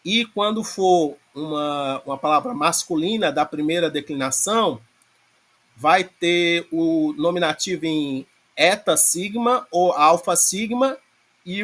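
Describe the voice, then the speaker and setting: A Greek language teacher gives an online grammar lecture, walking through each step patiently and checking in with students through frequent fillers like "né?". He speaks with a Brazilian Portuguese accent, and his voice is a little high with a fairly bright tone.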